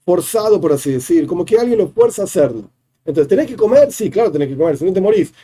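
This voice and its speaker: A rabbi teaches a Hasidic discourse in an explanatory religious class, walking through each idea step by step and repeating definitions. His high voice is husky and dark in tone, fast and sing-song.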